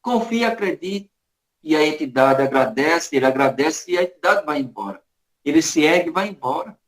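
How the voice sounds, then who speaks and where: High-voiced Brazilian spiritist lecturer. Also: male voice, a little fast. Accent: Brazilian Portuguese. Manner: storytelling, dramatic, varied emphasis.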